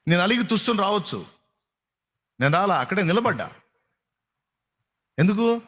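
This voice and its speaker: A man's voice: sits high, very animated, normal speed, a bit bright. A male pastor preaching a sermon in a colloquial, repetitive style, firing rhetorical questions at his congregation.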